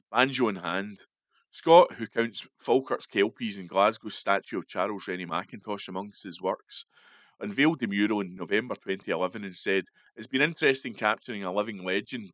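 A man reading a newspaper feature aloud in a steady, measured way, with the odd slip. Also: fairly low pitch, dry recording. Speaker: newspaper article reader. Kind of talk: read-aloud news feature.

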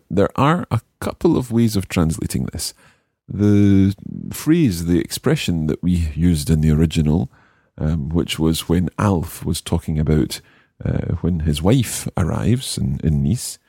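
A man with a very low, dark voice teaches a language lesson. His tone is soft-edged and slightly husky rather than crisp. He explains translations step by step, slowing down to enunciate example phrases and spell out words, in a dry recording. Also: no room sound. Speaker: French language teacher and podcast host.

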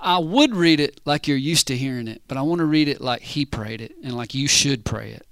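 A man preaching a sermon in a conversational way, often asking the congregation if they understand, and slowing down to read scripture. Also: mid-range voice, lively intonation, a bit bright, dry recording. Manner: conversational, keeps checking in with the congregation; reads scripture slowly and deliberately.

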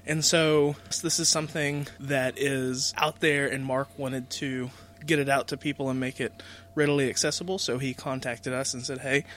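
A man's voice: mid-range voice, level tone, normal speed, fairly bright tone. A man co-hosting a podcast, giving a casual, conversational introduction. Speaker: podcast co-host. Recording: faint noise and hum.

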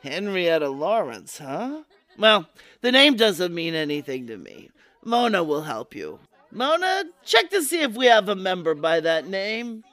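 A woman's voice: on the low side, wildly swooping pitch, unhurried, a bit bright, no echo, heavily acted. A woman playing a pushy, blunt health club owner with a salesy manner in an old-time radio comedy. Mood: bossy, guarded.

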